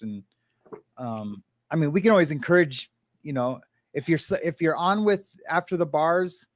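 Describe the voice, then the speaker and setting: A man's voice: fairly high pitch, no room sound, clean studio sound. A man co-hosting a casual livestream chat, rambling with frequent laughs, fillers and restarts. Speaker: livestream co-host.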